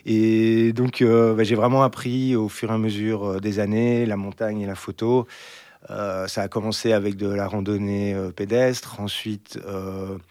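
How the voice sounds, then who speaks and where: Hesitant low-voiced man, flat delivery. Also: unhurried, no echo. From Belgium. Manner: hesitant, many "euh" fillers and restarts. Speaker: mountain photographer, interview guest. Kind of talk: relaxed podcast interview.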